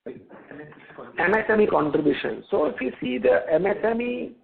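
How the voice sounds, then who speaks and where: Indian male company executive, higher-pitched, halting unscripted answers with repeated words, thin telephone sound. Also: gravelly. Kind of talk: unscripted earnings call answers. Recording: narrow, tinny phone line.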